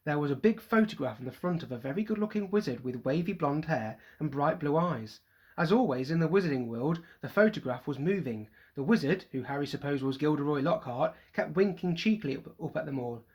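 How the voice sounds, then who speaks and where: Teacher reading a kids' novel out loud, really lively up-and-down voice. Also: medium pitch, brisk, husky. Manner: lively expressive storytelling. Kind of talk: reading a children's novel aloud.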